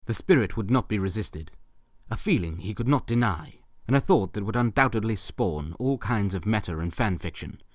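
A man's voice: on the low side, no echo, clean studio sound. A man narrating a scripted story in a theatrical, wry manner with ornate phrasing.

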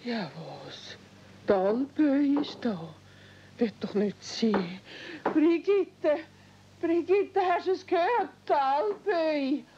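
A woman playing an excitable, kindly old grandmother in a radio play, exclaiming in drawn-out phrases with a Swiss German accent. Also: high voice. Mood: excited, urgent. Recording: dull, noisy 1970s radio-play recording.

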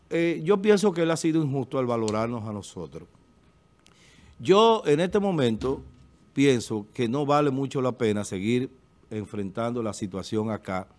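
A man's voice: mid-range voice, darkish tone. A middle-aged man with a Dominican accent, giving emphatic political commentary as a TV panelist at a desk microphone. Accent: Dominican Spanish. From Dominican Republic. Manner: emphatic, gestures with hands, repeats filler eh. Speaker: panelist on a local TV talk show. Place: TV studio. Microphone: desk studio microphone.

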